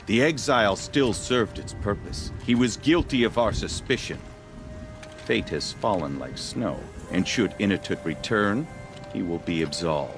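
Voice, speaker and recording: Solemn, low-voiced tribal spokesman. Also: lively intonation, a little slow, music in the background. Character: solemn tribal spokesman passing judgment, stern and ceremonial.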